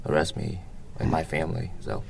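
Very deep, creaky-voiced young Vietnamese man. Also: fairly even intonation, darkish tone, a little hiss or hum. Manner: hesitant, halting, hedging. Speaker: interviewee. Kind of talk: casual interview conversation.

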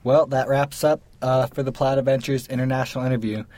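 A man's voice: medium pitch, flat delivery, fairly quick, darkish tone. A man acting as interviewer and host, asking questions in a casual conversational style.

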